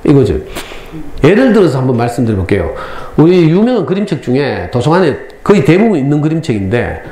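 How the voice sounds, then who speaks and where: A middle-aged man with a Gyeongsang Korean accent, giving a lively parenting lecture to school parents and acting out lines as he tells stories. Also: a little high, fast talker. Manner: lively storytelling, acts out lines. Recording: echoey hall, faint ambience.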